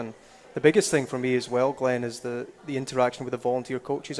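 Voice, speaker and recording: Someone talks at a very fast pace with a Scottish accent. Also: man. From Scotland, Paisley near Glasgow. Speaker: youth soccer director and coach. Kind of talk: live radio interview. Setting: live show at a brewery with audience.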